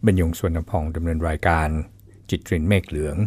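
Deep-voiced male radio host. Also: steady tone, a little mellow. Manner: measured, polite, reads out statistics. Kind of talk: scripted radio commentary.

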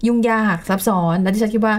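A woman hosting a radio news discussion, chatty and leading the conversation with lively opinions. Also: medium pitch, quick pace. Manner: chatty, animated opinions, leads the talk. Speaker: host.

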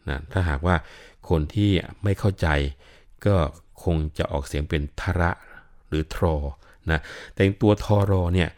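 An older man with a slightly mellow bass voice lectures on Thai classical literature, giving a patient, explanatory talk peppered with frequent polite particles.

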